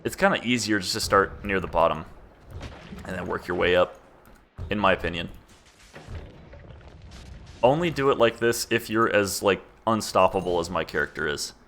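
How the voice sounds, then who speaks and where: A young man with a fairly low voice talks through his game in a flat, laid-back monotone, as if chatting to himself. He speaks into a desk mic. A faint background ambience hangs behind him. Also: moderate pace, long pauses, slight background noise. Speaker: game streamer. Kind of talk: casual gameplay commentary.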